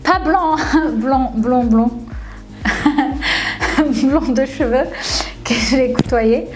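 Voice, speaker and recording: A woman's voice: high voice, extremely slow. A young woman from Tunisia chatting casually in an interview, often laughing and repeating her words. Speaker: reality TV contestant. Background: faint background music.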